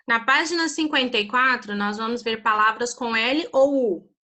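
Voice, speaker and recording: Woman teacher, online class, patient, bright clear voice, fairly high. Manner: patient, drills grammar terms slowly with students. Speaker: primary school teacher. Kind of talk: online class on a video call. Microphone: video call.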